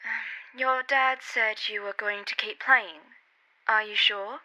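A woman voicing a gentle, anxious middle-aged mother who keeps reassuring her daughter. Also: mid-range voice, steady tone, takes it slowly. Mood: concerned. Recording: dull lo-fi recording.

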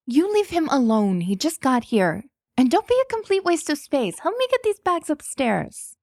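A bubbly, gushing young woman, pitched well above the reader's own voice and lifted with excitement, as a woman reading aloud puts her on. She fusses warmly and bosses her brother around. The sound is dry and close. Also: moderate pace, dry recording. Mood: scolding. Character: bubbly young woman, fussy older sister. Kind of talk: audiobook reading of fan fiction.

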